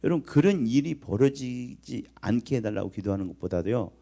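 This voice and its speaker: A man preaching a Sunday sermon as pastor, his voice rising and falling in wide, animated swings. He tells the story with acted-out lines and keeps turning to the congregation with questions. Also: mid-range voice, fairly quick, vocal fry. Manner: talks directly to the congregation, asking questions.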